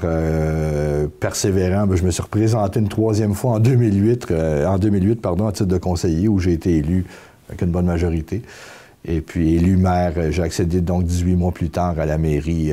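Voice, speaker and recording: A middle-aged man with a Quebec French accent, answering interview questions conversationally and haltingly, repeating words as he explains. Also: sits low, dark tone. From Canada (Quebec), Belgian-born. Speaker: town mayor being interviewed. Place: council room.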